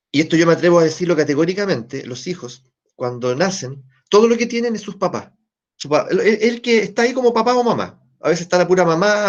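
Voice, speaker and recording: A man with a Chilean Spanish accent lectures to a class online, keeping things conversational and stopping often to check that his students follow. His voice sits a little high for a man. The sound is dull and lo-fi, as over a video call. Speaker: teacher.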